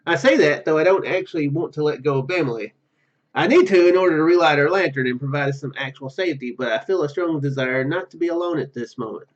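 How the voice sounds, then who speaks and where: A man's voice: fairly high pitch, expressive, fast, muffled recording. A man reading a visual novel aloud and commenting casually, often stumbling over his words. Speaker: gaming YouTuber.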